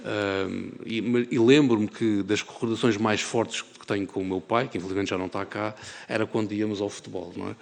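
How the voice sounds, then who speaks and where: Gravelly Portuguese man in an echoey hall. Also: on the low side, fairly even intonation. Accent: European Portuguese. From Algarve, Portugal. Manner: measured, with many filler "eh"s and restarts. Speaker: member of parliament chairing a hearing. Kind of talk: formal parliamentary address. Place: parliament committee room.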